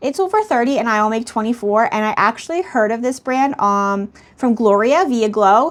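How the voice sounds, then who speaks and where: A woman with a plain, everyday voice talks at a moderate pace, her fairly high pitch carried by lively intonation. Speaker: full-time reseller and YouTuber. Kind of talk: casual vlog sales recap.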